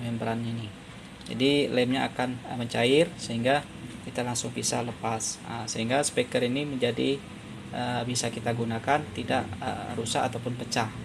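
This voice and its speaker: A man's voice: mid-range voice, vocal fry, noisy background. A man narrates a hands-on repair tutorial, explaining step by step and repeating his points. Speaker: phone repair tutorial presenter.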